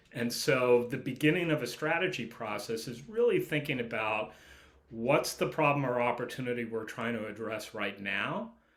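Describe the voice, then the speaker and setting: A man speaks at a medium pitch and a moderate pace. He has an unremarkable speaking voice with ordinary pitch variation. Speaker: nonprofit strategy consultant. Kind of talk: webinar presentation.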